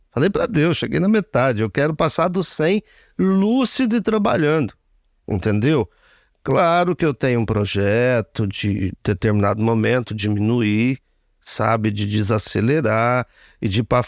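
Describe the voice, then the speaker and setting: A man's voice: medium pitch, vocal fry, no room sound, clean studio sound. A man in his fifties, a radio broadcaster, giving an earnest interview testimony and speaking often of his faith. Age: 50s.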